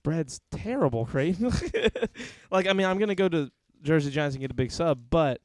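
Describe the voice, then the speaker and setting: A man's voice: on the high side, no room sound. A young American man co-hosting a casual podcast, swearing and laughing often as he chats and reads the live chat. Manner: profane, laughs often, fast and animated. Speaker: podcast co-host.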